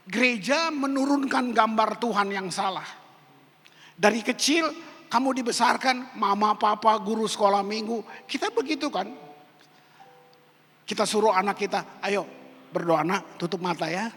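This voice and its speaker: A man's voice: high-pitched, a bit bright, slightly rough. A male pastor preaching a sermon, telling personal stories with acted-out quotes in casual slang. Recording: echoey hall with music behind.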